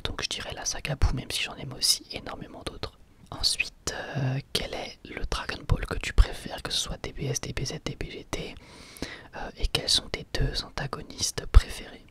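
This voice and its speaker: A man hosting an ASMR channel, answering viewer questions in a soft, hesitant whisper with frequent pauses. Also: medium pitch.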